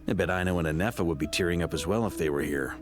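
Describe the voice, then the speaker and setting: Low, sentimental fatherly guy played by a man. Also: racing, music in the background, lightly acted. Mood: warmly teasing. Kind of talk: video game voice acting.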